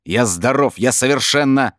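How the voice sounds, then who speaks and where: A man's voice: medium pitch, steady tone, a little fast, clear, resonant tone, dry recording, clean studio sound, pitched above the performer's own voice, close to an everyday voice. A man voicing an irritable, haughty man who is losing his grip, with a snappish, defensive manner. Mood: agitated.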